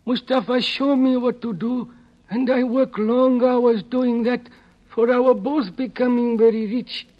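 An actor in a 1950s radio drama playing a frightened, servile foreign henchman who speaks deferential, halting broken English on an old recording. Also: very high-pitched, fairly even intonation, lo-fi sound. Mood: deferential, explaining.

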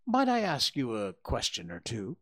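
A man reading aloud, voicing a calm, shrewd male detective who asks precise questions. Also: mid-range voice, normal speed. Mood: probing.

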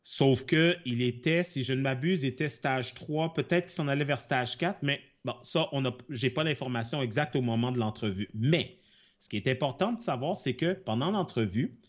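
A man co-hosting a casual podcast chat, on a dull, lo-fi recording. He rambles through his explanations, stopping to correct himself. His voice sits at a middle pitch. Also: moderate pace. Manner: rambling explanations with many fillers and self-corrections. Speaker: podcast co-host. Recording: dull lo-fi sound.

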